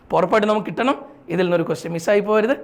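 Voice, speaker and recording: A man's voice: high voice, racing. A man teaching an exam-prep lesson, spinning silly mnemonic stories and calling his students "children". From Kerala, India. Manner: chatty storyteller, calls students "children" affectionately.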